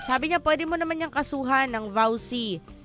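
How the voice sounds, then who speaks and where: Music plays in the background as a woman talks at a moderate pace. Her tone is animated and her intonation lively. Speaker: radio host. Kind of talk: radio advice show.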